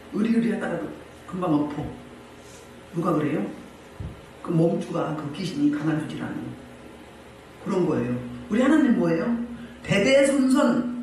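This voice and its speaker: A male pastor preaching a sermon in an emphatic, lively way, firing off rhetorical questions to the congregation. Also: sits high, far from the mic. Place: church meeting room. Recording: very echoey room, voice from afar, faint noise.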